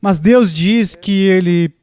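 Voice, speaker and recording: A man voicing a dubbed sermon, emphatic and deliberate, pausing often and repeating key words. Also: sits high, darkish tone, clear, resonant tone, no room sound. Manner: emphatic, with deliberate pauses and repetition. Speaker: preacher's voice in a dub.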